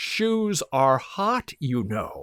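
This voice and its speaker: A man puts on a character voice pitched high. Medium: read story. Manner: bombastic, self-important.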